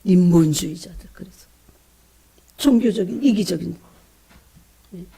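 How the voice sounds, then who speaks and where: A woman preaching a fervent, emotional sermon, often calling out to her congregation and dropping into hushed whispers between bursts of emphasis. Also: fairly low pitch, unhurried, vocal fry, slightly rough.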